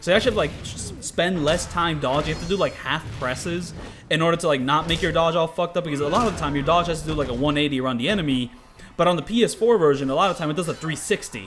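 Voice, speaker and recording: Music plays in the background as the speaker goes at a very fast pace with ordinary pitch variation. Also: man, fairly high pitch for a man. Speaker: gaming YouTuber. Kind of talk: gameplay commentary. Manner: casual, filler-heavy.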